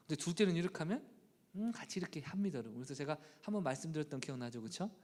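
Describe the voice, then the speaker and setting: Lively middle-aged Korean pastor preaching. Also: male voice, a little high, very fast. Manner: addresses the congregation constantly, acts out his children's voices. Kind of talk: sermon.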